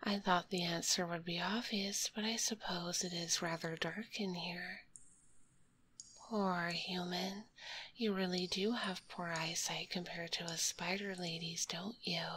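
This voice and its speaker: A woman playing a kind, curious spider monster girl in a whispered ASMR roleplay, speaking gently in a breathy, politely formal way, close to a binaural microphone. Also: fairly low pitch, steady tone, takes it slowly, slight background noise. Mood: curious, teasing. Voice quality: breathy, hushed.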